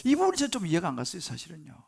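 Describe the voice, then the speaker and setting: A man's voice: sits high, huge pitch swings, rapid-fire, creaky, darkish tone, breathy edge. A middle-aged male pastor preaching a sermon, telling the story with animation and acting out the quoted lines. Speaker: senior pastor.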